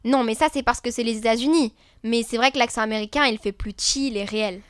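High voiced girl cohost, expressive, playfully indignant, dry mic. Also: fast talker, smooth, no room sound. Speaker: co-host. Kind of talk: scripted debate show.

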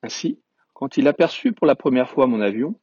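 A husky-voiced man narrates a storybook in a calm, measured way. He sits in the middle range of pitch, and the sound is dry and close. The whole thing comes through a dull, lo-fi recording. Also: no room sound. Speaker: storyteller reading a book aloud. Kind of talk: storybook read-aloud.

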